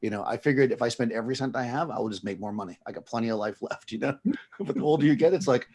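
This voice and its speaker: Fast-talking husky man. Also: mid-range voice, darkish tone. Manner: quick, chatty, laughing easily. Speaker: photographer host. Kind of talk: casual chat.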